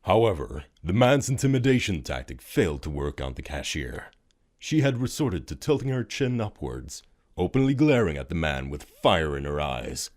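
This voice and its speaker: Deep, animated male story narrator. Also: moderate pace. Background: music.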